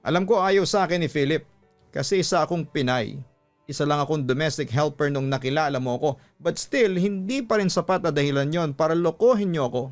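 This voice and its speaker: A man's voice: on the high side, a little fast, faint music behind, natural voice. A man voicing a betrayed Filipina wife, emotional and reproachful, in a radio-style story drama. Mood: hurt, reproachful. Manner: emotional, reproachful, switching between Tagalog and English. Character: hurt, angry betrayed Filipina wife confronting her husband.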